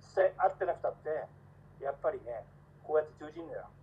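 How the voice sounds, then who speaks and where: A man's voice: on the high side, expressive, fast talker, dull audio, a crowd in the background. A man appearing as a guest in a casual live-stream chat, earnestly giving preachy life advice.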